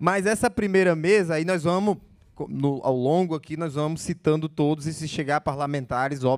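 Against a quiet background, a man speaks neither quickly nor slowly. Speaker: social movement coordinator. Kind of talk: public speech at seminar. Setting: assembly hall with microphone and audience. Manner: halting, many fillers. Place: meeting room. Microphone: handheld.

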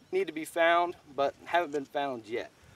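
At a moderate pace and with ordinary pitch variation, the voice sounds dry with no echo against light background noise. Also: man. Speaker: outdoor skills instructor. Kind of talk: tutorial. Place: open country.

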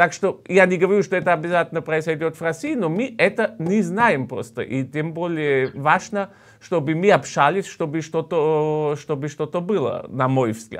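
A high-pitched man at a moderate pace, ordinary pitch variation, against a quiet background. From Germany. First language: German (speaking Russian). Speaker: TV interviewer. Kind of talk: interview. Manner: hesitant with filler sounds. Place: studio. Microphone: lapel.

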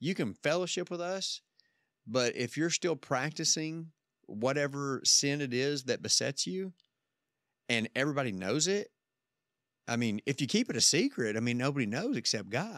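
A man with a Southern US accent speaks with long, frequent pauses in a dry recording with no echo. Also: fairly high pitch for a man, moderate pace, quiet background. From US South. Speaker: podcast co-host. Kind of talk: casual chat. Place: studio. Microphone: studio mic.

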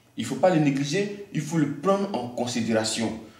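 The voice is somewhat breathy, with very wide pitch swings. Audible room echo fills the recording. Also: man. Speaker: bishop. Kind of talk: preaching. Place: studio.

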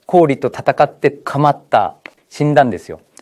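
Very clean, silent-backed recording of a man with a dark, mellow tone. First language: Korean (speaking Japanese). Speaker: history lecturer. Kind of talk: lecture.

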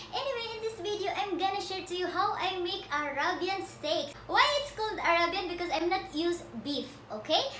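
Loud background noise fills the clip while a woman speaks at a moderate pace. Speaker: cooking vlogger. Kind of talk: casual vlog chat. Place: kitchen.

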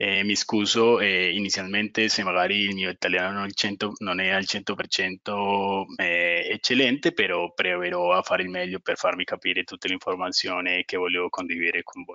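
With a Spanish accent, a man speaks at a moderate pace in a fairly low voice. His intonation is monotone and flat. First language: Spanish (speaking Italian). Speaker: geotechnical engineer. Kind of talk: webinar presentation. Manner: hesitant, many fillers.

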